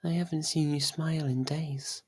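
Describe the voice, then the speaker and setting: A performer voicing a possessive, lovestruck young faerie royal in an intimate ASMR roleplay, speaking softly and haltingly. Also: mid-range voice, steady tone, husky, dry recording, natural voice. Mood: tender, concerned. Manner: hesitant, halting, soft and pleading.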